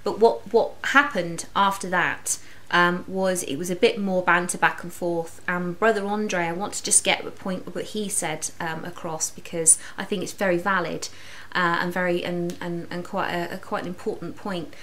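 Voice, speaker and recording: A woman's voice: fairly low pitch, fairly even intonation, normal speed, few pauses, fairly bright tone. A woman in her thirties talking casually to camera in a living room, rambling a little with fillers. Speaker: vlogger.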